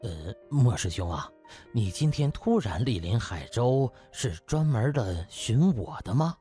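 A man's voice: mid-range voice, very animated, measured pace, warm tone, husky, soft background music, heavily acted. A man voicing an effusive, self-assured older hospital director in an audiobook, with exclamatory delivery. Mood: probing.

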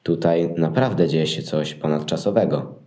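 A shepherd in a Christmas audio play, grumbling yet thoughtful, acted by a man. His voice is very low and mellow, and the room rings around it. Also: normal speed. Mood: musing. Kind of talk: amateur Christmas nativity audio play acting. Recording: roomy, echoing sound.

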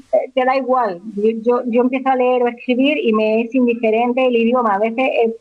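A woman's voice: on the high side, no room sound. Spanish woman in her forties on a phone line. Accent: Spanish from Spain. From Spain. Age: 40s. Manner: chatty, with frequent restarts and repeated words. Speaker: interview guest. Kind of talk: casual conversational interview. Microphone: phone call.

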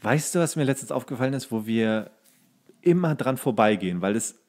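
A man's voice: mid-range voice, expressive, a little fast, darkish tone. A man co-hosting a comedic podcast, talking in a casual, slangy and colloquial way. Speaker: podcast co-host.

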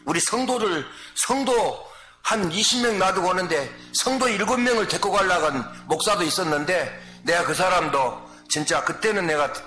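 An older man from Jeolla with a Jeolla Korean accent, preaching a sermon as pastor, swinging from shouts to low asides and often calling out to the congregation. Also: lively intonation, moderate pace, roomy sound. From Jeolla, South Korea.

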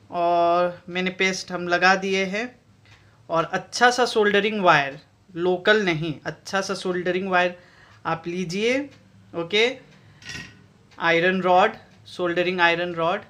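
A man with an Indian accent gives a DIY tutorial on building a battery, mixing Hindi and English as he explains each step. His bright voice sits high and stays steady, and he speaks slowly and deliberately. He records on a phone held over his indoor workbench.

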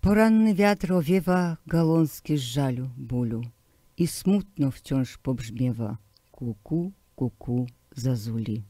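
Man reading poems for radio, slow and declamatory, mellow dark tone, dry close sound. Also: mid-range voice, lively intonation, no echo. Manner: slow, declamatory recital with swelling emphasis. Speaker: poetry reader. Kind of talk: poetry recitation.

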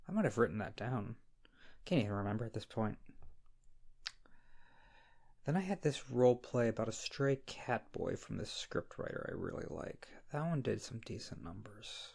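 Man acting a needy young guy, slow and creaky. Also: medium pitch. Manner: hesitant, slow, halting, sheepish. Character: needy, flustered young male friend, earnest and pleading. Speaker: roleplay audio creator playing a character. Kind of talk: wholesome ASMR roleplay acting, intimate one-sided dialogue.

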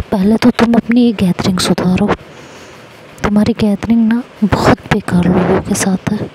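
A woman's voice: mid-range voice, background noise, natural voice. A woman voicing a young college student who lectures her partner in an exasperated tone, in an audio story.

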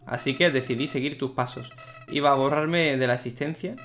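A man's voice: mid-range voice, fairly quick, fairly bright tone, soft background music, natural voice. A man reading a cold, soulless talking flower. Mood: somber. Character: sinister soulless talking flower, once a boy.

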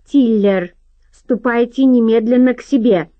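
A woman's voice: medium pitch, normal speed, no echo, muffled recording, voice pushed up, lightly acted. A woman voicing an angry, domineering master. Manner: shouting angrily.

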